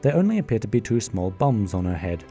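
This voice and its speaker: A man narrates a fan radio play with wry, jokey asides. His voice is lowish and mellow. Faint music runs behind him. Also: very animated, quick pace.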